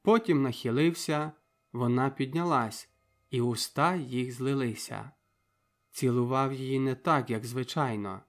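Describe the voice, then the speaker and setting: A man reading a novel aloud as an audiobook narrator, in a measured, even way. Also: mid-range voice. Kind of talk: scripted narration.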